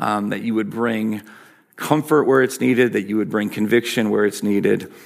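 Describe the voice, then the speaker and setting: In a Michigan accent, the speaker talks at a moderate pace with monotone, flat intonation. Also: man, very clean recording, silent background. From US Midwest. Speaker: pastor. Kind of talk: introduction and prayer. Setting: church.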